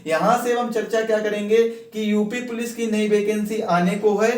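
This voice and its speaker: Male exam coach, notably high register, informal and repetitive explainer, recorded away from the mic. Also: steady tone, normal speed. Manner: repetitive, asks questions and answers them himself. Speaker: exam-preparation coach and video host. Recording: echoey room, distant from mic.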